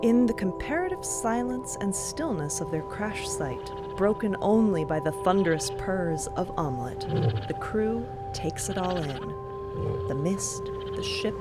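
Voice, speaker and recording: A woman's voice: mid-range voice, animated, a little slow, over loud music. A woman giving dramatic scripted narration for a fiction podcast. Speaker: narrator and cast member.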